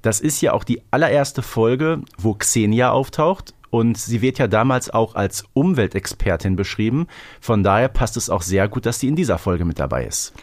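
A man's voice: fairly low pitch, animated, normal speed, no echo. A man, talking conversationally as a podcast co-host reviewing audio dramas.

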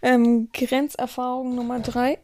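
A woman's voice: a little high, completely flat delivery, unhurried, dark tone, slight background noise. A woman hosting a podcast as a dominatrix, talking in a rambling, self-correcting monologue. She acts out what people said and sometimes drops to a whisper. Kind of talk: casual spoken monologue. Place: indoor room with an air filter running. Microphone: close studio-style mic, audio only.

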